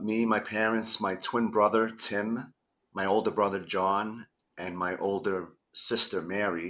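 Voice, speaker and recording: With a New York accent, a man speaks fairly slowly in a fairly low pitch, his tone bright and sharp and his intonation monotone and flat. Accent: New York (Queens). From Queens, New York. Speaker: sober companion, surviving sibling. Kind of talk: testimony interview.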